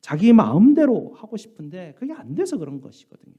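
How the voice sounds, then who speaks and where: A man's voice: a little fast, breathy edge. A man preaching a Sunday sermon as pastor, telling stories and acting out voices with big swings. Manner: animated storytelling, acts out quoted voices with big pitch jumps. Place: church sanctuary.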